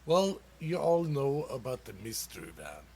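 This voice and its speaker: A man from Sweden, hosting a dad-joke comedy show and laughing loudly at his own punchlines. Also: mid-range voice, big pitch swings, moderate pace, husky. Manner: casual, calls listeners dude. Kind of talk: dad-joke stand-up on internet radio.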